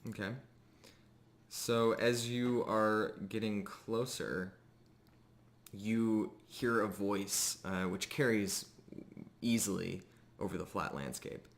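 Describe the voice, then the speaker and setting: A man narrating a tabletop fantasy game as game master, improvising descriptions in a measured way with pauses. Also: fairly low pitch, fairly even intonation.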